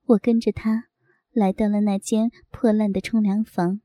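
A woman reading a first-person story aloud in a soft, intimate, unhurried way. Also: medium pitch, little pitch movement, dry recording, clean studio sound.

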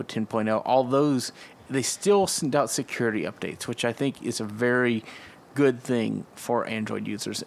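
A man co-hosting a podcast, explaining features at length in a relaxed, casual way and leading the discussion. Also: medium pitch, vocal fry. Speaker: podcast co-host. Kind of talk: casual tech chat.

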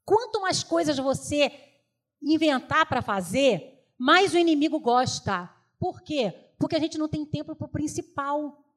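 A middle-aged woman from Brazil preaches in a high, bright-pitched voice. She jokes with the congregation and tells stories from family life. Her lively delivery keeps the sermon warm and down-to-earth. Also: unhurried. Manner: lively storyteller, joking with the congregation. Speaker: women's preacher. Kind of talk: humorous sermon.

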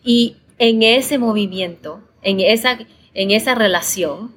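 A woman born in El Salvador speaks as an interview guest about making podcasts. She talks in a thoughtful, conversational way, often repeating herself and checking in with her listener. Her voice sits at a middle pitch. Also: takes it slowly, a little hiss or hum. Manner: thoughtful, repeats words, frequent tag questions.

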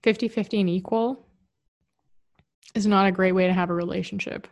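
A woman's voice: mid-range voice, fairly even intonation, brisk, darkish tone, lo-fi sound. A woman giving a candid, rambling casual monologue about relationships, often restarting her sentences. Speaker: relationship and spirituality talker.

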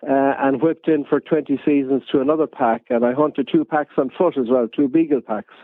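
A man with a west of Ireland accent, telling anecdotes as a radio interview guest in an unhurried storytelling way. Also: mid-range voice, steady tone, no room sound, phone-quality sound. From County Galway, west of Ireland. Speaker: interview guest, photojournalist and fox hunter.

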